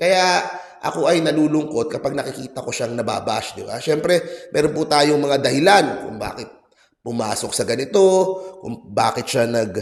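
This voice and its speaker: Using a plain, everyday voice, a man speaks at a fairly high pitch with lively intonation. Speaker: showbiz gossip vlogger. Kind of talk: casual commentary monologue.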